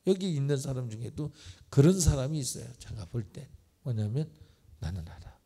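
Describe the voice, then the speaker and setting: A middle-aged male pastor preaching in church, firing rhetorical questions and swinging between loud emphasis and hushed asides. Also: mid-range voice, lively intonation, a little fast, gravelly. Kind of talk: sermon. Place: church sanctuary.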